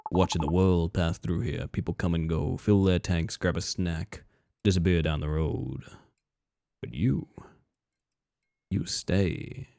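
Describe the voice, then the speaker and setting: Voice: low-pitched, steady tone, slow, creaky, long pauses, warm tone, no echo, pitched below the performer's own voice, full character voice. A streamer voicing an eerie male late-night customer in a video game, probing and ominous in a musing way. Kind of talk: acted video game dialogue reading.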